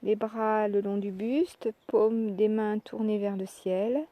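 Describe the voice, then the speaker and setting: Slow, mellow woman guiding relaxation. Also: mid-range voice, no room sound. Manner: calm, measured, short phrases with pauses. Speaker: yoga nidra relaxation instructor. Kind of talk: guided meditation, soft instructional narration.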